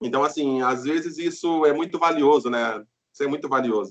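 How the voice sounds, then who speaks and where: A man with a São Paulo interior accent talks at a fairly quick pace. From Brazil, São Paulo city. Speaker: security and leadership trainer. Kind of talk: interview conversation. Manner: casual.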